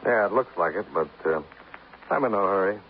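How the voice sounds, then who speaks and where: A terse, dry private eye. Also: male voice, on the low side, lively intonation, fairly quick. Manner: terse and matter-of-fact. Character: dry, laconic male insurance investigator. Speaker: private investigator and narrator. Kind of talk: 1950s radio drama narration and dialogue. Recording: tinny, lightly hissy old radio broadcast.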